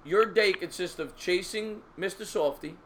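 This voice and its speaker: Guy hosting a sports call-in show, bright voice, stutters and restarts a lot. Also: high-pitched, normal speed. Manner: stammering, repeats words before getting going. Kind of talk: casual call-in chat.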